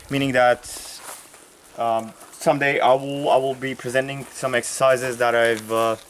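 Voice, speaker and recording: A man's voice: mid-range voice, slight background noise. Young Bulgarian-accented man giving a tour. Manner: relaxed, with frequent fillers and restarts. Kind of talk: casual explanatory tour. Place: outdoors in a rural garden and field.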